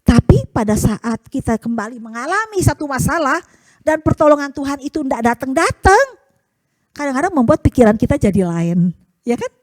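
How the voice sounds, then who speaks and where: A woman's voice: high voice, big pitch swings, moderate pace, darkish tone, no echo. A woman preaching a conversational sermon, asking rhetorical tag questions and acting out the prayers and voices she quotes. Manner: chatty, rhetorical tag questions, chuckles often.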